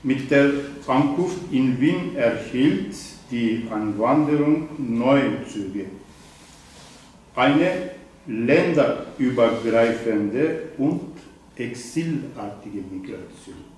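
Older man, halting German, far from the mic, faint room noise. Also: mid-range voice, expressive, darkish tone, heavy reverb. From Eastern Anatolia. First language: Zazaki. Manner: halting, with frequent ums and self-corrections. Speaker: poet reading at a literary evening. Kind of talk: slow introduction and prepared reading. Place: wine bar event room. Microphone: far camera.

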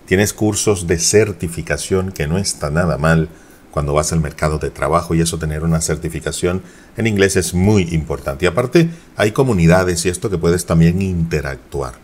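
A man hosting a video, chatting casually and quickly while demoing an app, laughing now and then. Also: sits low, darkish tone. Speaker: tech YouTuber. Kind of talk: casual sponsored app demo.

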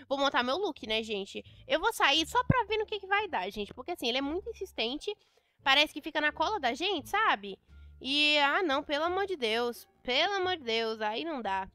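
A woman's voice: sits high, animated, fairly quick, pushed and bright, no echo, faint music behind. A Brazilian woman commenting on a game in a chatty, dramatic, playfully exasperated way, talking straight to her viewers. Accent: Brazilian Portuguese. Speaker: gameplay youtuber. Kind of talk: casual gameplay commentary.

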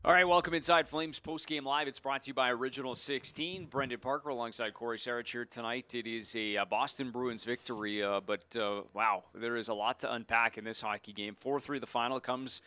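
A man in his thirties hosting a post-game hockey show from a TV studio with a handheld mic. He talks fluently with frequent "uh" fillers as he walks through highlights. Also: steady tone, a little fast, hardly any pauses, sharp tone, smooth. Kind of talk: sports post-game analysis. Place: TV studio desk.

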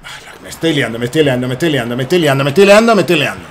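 Excitable Spanish gaming streamer. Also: male voice, medium pitch, racing, slight background noise. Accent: Spain Spanish. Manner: excitable, rambling, swears a lot. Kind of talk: excited gameplay commentary.

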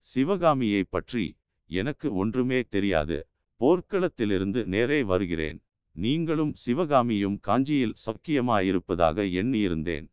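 A man's voice: on the low side, darkish tone, smooth, dry recording. A man voicing a young warrior prince who speaks firmly and with authority, in a dull, lo-fi audiobook recording. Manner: firm, authoritative. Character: young warrior prince, commanding yet restrained.

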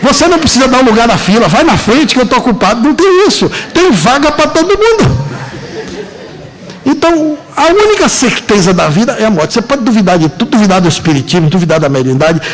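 Brazilian guy lecturing a hall full of people, high voice, swoops up and down a lot, jokey and emphatic. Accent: Brazilian Portuguese. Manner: emphatic, joking, drawn-out dramatic pauses. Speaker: seminar lecturer. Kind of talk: lively lecture to a live audience. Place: auditorium.

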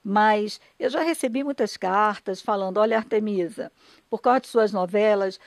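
A woman's voice: mid-range voice, moderate pace, no room sound, clean studio sound. A Brazilian woman, a radio dramatist and broadcaster, explaining her work conversationally and earnestly in an interview, often checking for agreement.

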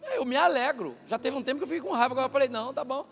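A male pastor, preaching a loud, joking, animated sermon in a church. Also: very high voice, racing, breathy edge. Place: church sanctuary. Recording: reverberant church hall with faint music.

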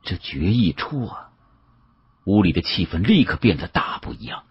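A man narrating an audiobook as a dramatic storyteller, with an expressive, suspenseful delivery and a husky voice. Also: deep voice, moderate pace. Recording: dull, muffled audio.

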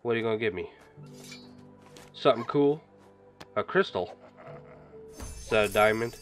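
Guy with a stuffy nose chatting thru his gameplay, kinda low voice, gets excited a lot. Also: moderate pace, soft background music. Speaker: gaming channel host. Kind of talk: casual game commentary.

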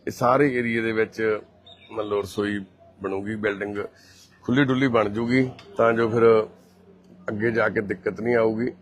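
A man's voice: lowish voice, steady tone, moderate pace. A man from Punjab, India, with a Punjabi accent, giving a live walk-through of a care shelter and cheerfully coaxing the residents as he goes. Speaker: host and caretaker at a care shelter.

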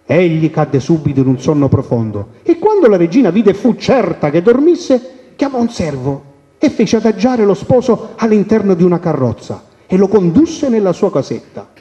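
Animated man telling folk tales. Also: sits high, normal speed. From Calabria. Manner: animated, playful. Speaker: storyteller. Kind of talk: folk tale storytelling on radio. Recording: dull radio recording with long reverb.

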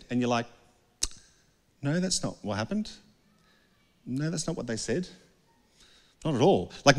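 A middle-aged Australian pastor with a slightly high, somewhat bright voice preaches a conversational, earnest sermon into a handheld mic, often putting questions to the congregation. He stands on a dark indoor stage with a couch, and long hall reverb colors the recording.

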